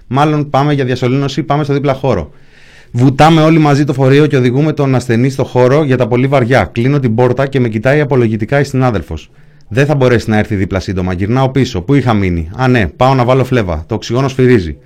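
A man narrating his own account in the first person, pushing forward in terse, clipped bursts. His pitch sits in the ordinary middle range for a man. The delivery stays plain and steady, with no performed voices. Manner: terse, clipped present-tense fragments.

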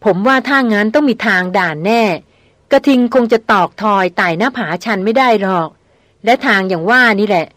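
A woman reading the part of a male member of a hunting party, reasoning quickly and decisively in an audiobook. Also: medium pitch, expressive, a bit bright, no room sound, natural voice.

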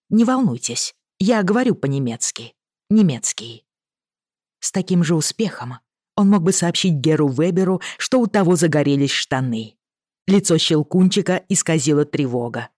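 An audiobook narrator reading a novel in a steady, even storytelling manner. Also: mid-range voice, no echo, studio quality. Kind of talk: scripted narration.

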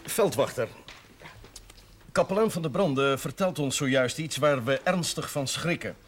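An actor playing a stiff, long-winded Catholic parish priest in a television drama, speaking formally and haltingly. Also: male voice, mid-range voice, close to an everyday voice. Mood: grave, formal. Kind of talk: period television drama acting. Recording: noisy old TV soundtrack.

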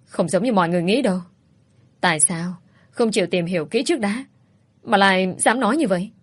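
A woman's voice: medium pitch, a little fast, husky, lightly acted. A woman voicing an indignant young single mother who speaks firmly. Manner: firm, indignant.

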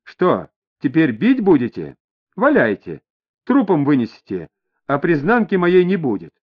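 A man's voice: a little high, wildly swooping pitch, measured pace, exaggerated voice. A man voicing a hostile young male thug under police interrogation, who talks rudely in street slang, on a dull lo-fi recording. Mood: sullen, cornered. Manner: rude, snarling street slang. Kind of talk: audiobook character voice. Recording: dull lo-fi audio.

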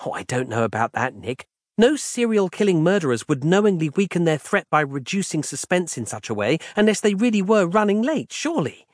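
A man's voice: high voice, sing-song, a little fast, dry recording, studio quality, voice pushed up. A man putting on a prim, chatty young woman. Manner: overly polite, chatty and pedantic. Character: prim, fussy young woman on a walkie-talkie. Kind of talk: audiobook character voice.

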